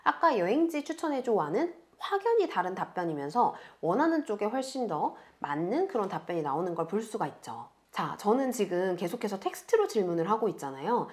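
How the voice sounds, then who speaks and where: A woman's voice: medium pitch, very animated, fairly quick, few pauses. A woman instructor patiently walking beginners through a tutorial step by step in a friendly way. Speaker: online instructor. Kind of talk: screen-recorded tutorial narration.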